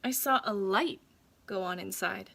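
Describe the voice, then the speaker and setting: A woman reading a children's story aloud like a teacher, with deliberate, dramatic phrasing for young listeners. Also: medium pitch, gravelly, bright, forceful tone.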